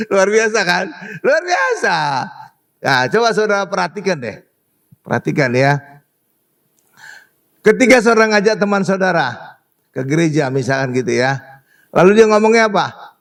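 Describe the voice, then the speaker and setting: A male pastor preaching a sermon in an animated way, exclaiming and often asking the congregation to agree. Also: sits high, a little slow, creaky, long pauses.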